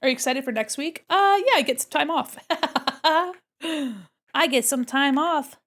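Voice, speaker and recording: A woman's voice: high-pitched, measured pace, a bit bright. A woman streaming her art, congested from a cold, chatting casually with viewers and murmuring to herself as she works. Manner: chatty, answers chat questions, murmurs to herself while working. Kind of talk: casual chat with viewers while drawing.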